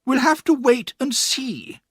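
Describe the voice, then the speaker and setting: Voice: high-pitched, animated, takes it slowly, slightly rough, no room sound, voice pushed up, full character voice. A narrator voicing a stern, cross elderly aunt who is kind underneath, speaking sharply and bossily. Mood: firm, sharp. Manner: sharp and bossy, shouting when angry. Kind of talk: storybook reading.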